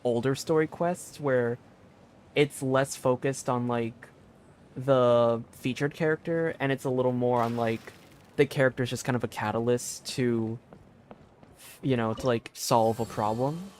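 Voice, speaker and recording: A man's voice: mid-range voice, fairly even intonation, measured pace, darkish tone, a little hiss or hum. A man giving casual live gaming commentary as a streamer, informal and thinking aloud in a meandering way. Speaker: game streamer.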